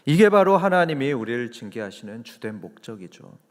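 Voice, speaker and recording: A man's voice: big pitch swings, brisk. A man pastor preaching a sermon, often asking the congregation questions and answering them himself, sometimes acting out quoted voices. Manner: acts out quoted voices with raised pitch. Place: church sanctuary. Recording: long hall reverb.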